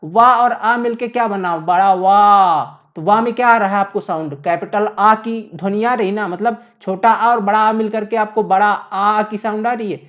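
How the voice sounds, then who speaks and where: A woman's voice: mid-range voice, steady tone, normal speed, few pauses, muffled recording. A woman teaching a lesson at a board, explaining step by step and asking questions she then answers herself. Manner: repeats points, asks and answers her own questions. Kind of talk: classroom lecture at a board.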